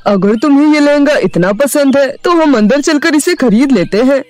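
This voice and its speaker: A woman voicing a kind young man from the city who speaks gently to his sweetheart in an animated story. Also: high voice, moderate pace, dry recording, soft background music. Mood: gentle. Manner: gentle and apologetic.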